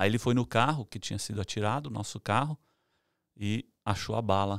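Against a quiet background, a man speaks in a fairly low pitch at a moderate pace with ordinary pitch variation and long, frequent pauses, in a dry sound with no echo. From Brazil. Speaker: pastor. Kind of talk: casual chat. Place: studio. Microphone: studio mic.

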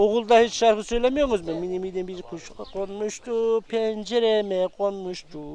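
Pitched high for a man, his voice carries fairly even intonation and big swings in loudness at a moderate pace with hardly any pauses. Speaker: video interviewer. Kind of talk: casual interview. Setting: outdoors in a village.

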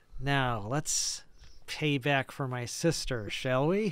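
A put-on character voice breaks into cackling. It moves at a very slow pace. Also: man, medium pitch for a man. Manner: menacing, vengeful, cackling.

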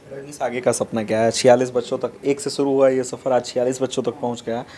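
This is a man speaking. His pace is moderate. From Deoria, eastern Uttar Pradesh, India; Uttar Pradesh, India. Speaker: news reporter. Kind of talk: interview; news report. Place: home room. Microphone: handheld.

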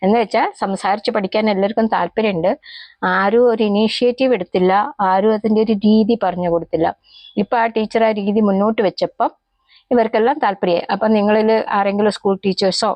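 A woman speaks at a fairly high pitch, her loudness very even and her intonation fairly even. It is a normal speaking voice. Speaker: Hindi language teacher on video channel. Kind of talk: tutorial. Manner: repetitive, explanatory pace.

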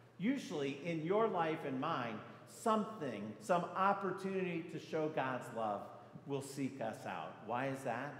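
In a room with audible echo, a man with a fairly high voice talks at a fairly slow pace, his pitch swinging very widely. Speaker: pastor. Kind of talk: sermon delivered to a congregation. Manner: casual, candid. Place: church.

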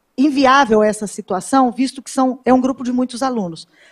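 Against a quiet background, a woman talks with a high pitch and ordinary pitch variation. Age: 50s. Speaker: education consultant; panelist. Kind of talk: lecture. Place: hall. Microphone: handheld.

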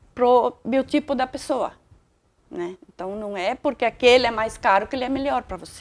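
At a moderate pace, a woman speaks at a high pitch with ordinary pitch variation and big swings in loudness. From western Santa Catarina, Brazil. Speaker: shop owner. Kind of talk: interview. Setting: in a store. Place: shop. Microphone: lapel.

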